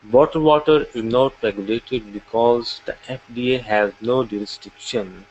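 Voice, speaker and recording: A man from Pakistan, a student in an online class, speaking hesitantly with many fillers and reading aloud haltingly. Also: mid-range voice, a little mellow. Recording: muffled call audio with faint hiss.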